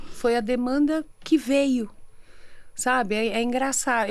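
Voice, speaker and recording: A woman with an ordinary speaking voice talks at a fairly slow pace, her pitch fairly high. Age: 60s. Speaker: psychologist. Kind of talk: interview conversation.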